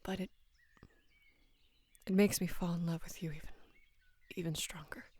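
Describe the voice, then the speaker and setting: A young woman in her twenties playing a devoted female knight in love with her queen, speaking hesitantly and deferentially in a soft, breathy voice for intimate roleplay audio. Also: lowish voice, fairly even intonation, no echo. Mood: flustered, pleading. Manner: hesitant, halting, deferential, earnest.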